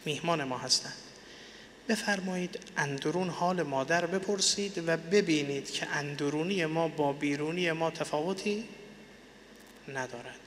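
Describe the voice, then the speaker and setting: A man preaching voices a humble, calm old religious scholar in a quiet tone. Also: fairly high pitch, in a large hall, a little hiss or hum, natural voice. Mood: calm, hospitable.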